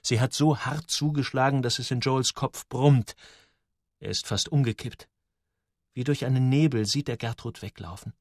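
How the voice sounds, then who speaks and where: A man reading a story aloud in scripted narration, with lively, dramatic ups and downs. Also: medium pitch, moderate pace, no echo, studio quality. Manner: lively, dramatic storytelling with sudden drops and rises. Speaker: audiobook narrator.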